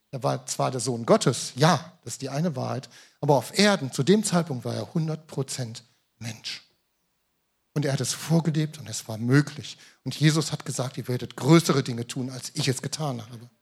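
A man preaching a sermon, lively and shifting from loud emphasis to soft, quiet asides. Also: mid-range voice, slightly rough. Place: church in Hamm.

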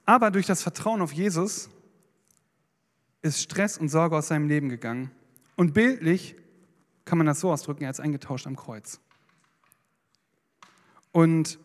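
Man, sermon, lively, high pitch, reverberant hall. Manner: lively, dramatizing with acted-out prayers. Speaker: preacher. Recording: long hall reverb with faint guitar.

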